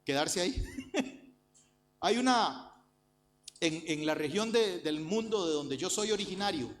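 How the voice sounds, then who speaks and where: A man's voice: sits high, expressive, takes it slowly, a little hiss or hum. A man from Rica, preaching a sermon and Bible study to his congregation with earnest, repetitive emphasis. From Costa Rica. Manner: earnest preaching, addresses the congregation directly, repeats phrases for emphasis. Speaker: pastor.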